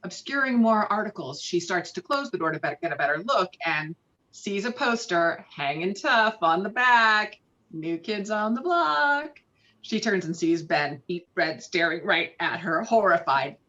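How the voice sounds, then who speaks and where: A woman's voice: on the low side, animated, a little slow, sharp tone. A woman reading screenplay stage directions as narrator at an online table read. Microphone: video call. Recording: dull lo-fi online call audio.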